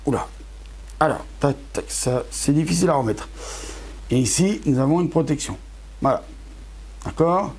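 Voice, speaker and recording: A middle-aged man who runs an amateur astronomy YouTube channel casually unboxes his gear, chatting straight to his viewers and correcting himself as he goes. His voice is fairly high with a darkish tone, and he sounds a bit tired, as if he's losing his voice.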